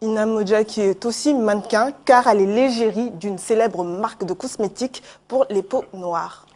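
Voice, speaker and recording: A woman presenting a music segment on a TV news set, speaking in a lively, flowing way. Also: mid-range voice, moderate pace. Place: TV studio.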